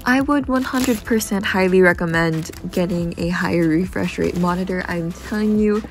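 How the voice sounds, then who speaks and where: A woman vlogger talking casually and excitedly through an unboxing. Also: on the low side, normal speed, slight background noise. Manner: chatty and excitable.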